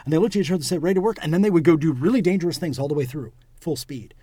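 A man co-hosting a podcast, explaining his craft in a reflective, casual way, his phrases often trailing off quietly. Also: on the high side, rapid-fire, husky, no room sound. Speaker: podcast co-host and clown performer.

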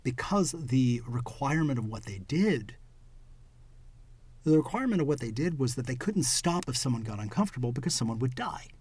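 A husky-voiced man talks through an idea at a relaxed, conversational pace. He explains carefully and often lets the ends of his sentences drop to a murmur. His pitch sits in an ordinary middle range. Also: fairly quick, no room sound. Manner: thoughtful, explanatory, trailing off quietly at ends of phrases. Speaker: podcast co-host and clown performer. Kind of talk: reflective casual conversation.

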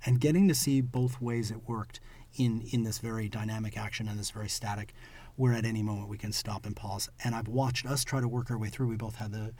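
Husky man explaining thoughtfully. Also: on the low side, steady tone, brisk. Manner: thoughtful, explanatory, trailing off quietly at ends of phrases. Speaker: podcast co-host and clown performer. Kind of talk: reflective casual conversation.

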